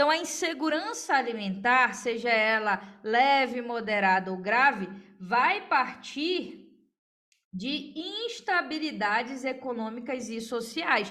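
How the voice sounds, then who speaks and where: Speaking at a very slow pace, a woman has a high pitch and a bright, sharp tone. Her intonation is lively, and the room echo is audible. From northern Brazil, Belém do Pará. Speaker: Portuguese language teacher. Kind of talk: lecture. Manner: casual, conversational with frequent 'né?'.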